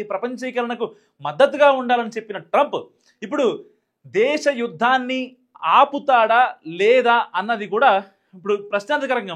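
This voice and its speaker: Telugu guy doing news commentary, very high voice, emphatic, lots of fillers. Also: a bit bright. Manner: rapid, emphatic, with frequent fillers and restarts. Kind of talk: spoken political news commentary.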